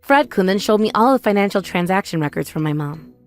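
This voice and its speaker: A woman's voice: medium pitch, lively intonation, fast. A woman giving dramatic first-person scripted narration as a story's narrator. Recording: voice over background music.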